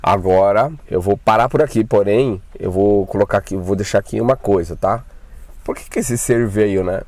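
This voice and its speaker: Man, fairly low voice, casual storytelling, animated, slangy and cursing. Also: normal speed. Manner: colloquial and animated, with swearing and nervous laughs. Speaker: channel host telling his own spiritual experiences. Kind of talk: casual first-person storytelling.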